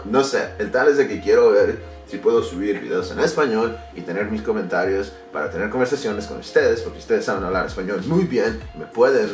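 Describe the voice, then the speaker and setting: A man's voice: lowish voice, recorded from a distance. A man in his thirties vlogging casually to camera at home, speaking a second language he learned later, searching for words and restarting often. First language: English. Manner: animated, gestures a lot, searches for words and restarts. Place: bedroom or home office, indoors. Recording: echoey room, a bit off-mic, faint music.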